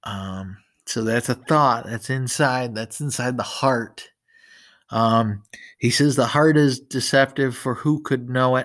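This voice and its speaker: On a very clean recording with a silent background, a man speaks at a very slow pace, with medium pitch and fairly even intonation. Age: 30s. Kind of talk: casual monologue.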